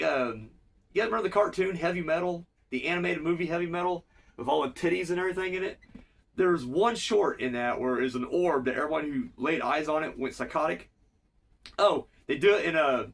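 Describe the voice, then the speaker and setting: Gravelly-voiced man rambling through a recap. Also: fairly high pitch, a bit bright, distant mic. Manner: rambling, profane, filler-heavy. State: has a cold. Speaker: cartoon episode reviewer. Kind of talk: casual recap review.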